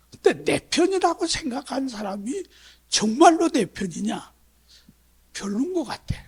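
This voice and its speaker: A pastor from Chungcheong, South Korea, preaches a sermon in a church sanctuary, his very high voice carrying a breathy edge. He speaks in a conversational, storytelling manner and poses rhetorical questions to his congregation.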